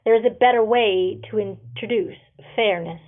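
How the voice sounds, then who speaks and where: A woman voicing a stern, measured male leader in a fantasy story, grave and authoritative. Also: mid-range voice, close to an everyday voice. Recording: narrow phone-like sound.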